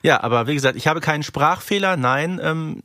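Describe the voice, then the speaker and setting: A man's voice: on the high side, a little fast, pushed and bright, no room sound, clean studio sound. A man chatting casually as a podcast co-host.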